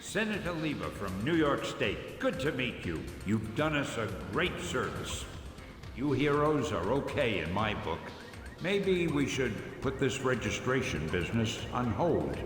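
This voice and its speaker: A genial, folksy older politician in a video game. His delivery is hearty and animated. The hall echoes, with music behind. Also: medium pitch, a little slow. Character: genial older male state senator, folksy and grateful. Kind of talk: video game cutscene acting.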